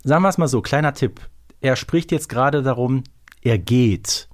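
A man's voice: mid-range voice, normal speed. Man chatting as podcast co-host. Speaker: podcast co-host and quiz contestant. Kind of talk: casual chat.

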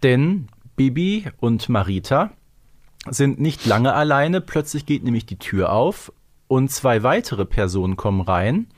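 A man's voice: mid-range voice, very animated, measured pace. A man co-hosting a podcast, casually retelling and discussing in a chatty, colloquial way with frequent tag questions. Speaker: podcast co-host. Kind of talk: casual retelling and discussion of an audio drama episode.

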